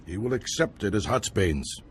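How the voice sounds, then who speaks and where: A man's voice: on the low side, animated, slight background noise, close to an everyday voice. A man playing a solemn tribal elder. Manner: measured and persuasive.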